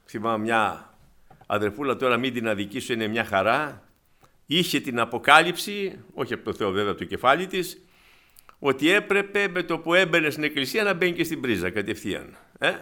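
A man preaching a sermon to his congregation, animated and acting out the voices in his stories. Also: medium pitch. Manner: animated, acts out quoted voices; addresses congregation as brothers.

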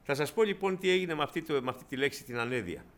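A man preaching a sermon in a conversational, storytelling way, often addressing his congregation as brothers and dropping low and quiet for emphasis. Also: expressive.

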